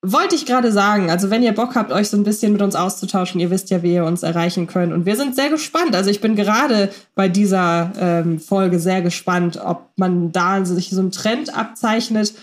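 Female podcast host, relaxed and playful, chatty delivery. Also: medium pitch, normal speed, few pauses. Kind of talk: casual fan podcast chat.

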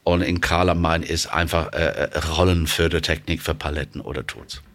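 English guy, plant manager, deep voice, lots of uhms, answering questions. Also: normal speed, a bit bright. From England. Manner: hesitant, many fillers, hands-on. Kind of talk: interview answers.

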